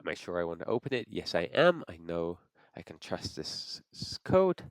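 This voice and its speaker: A man with a cold, sounding congested, talking through a software install step by step and thinking aloud as he clicks. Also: sits low, very animated, moderate pace, no echo. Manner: thinks aloud with frequent restarts. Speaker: software tutorial presenter. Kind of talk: screen-recorded how-to walkthrough.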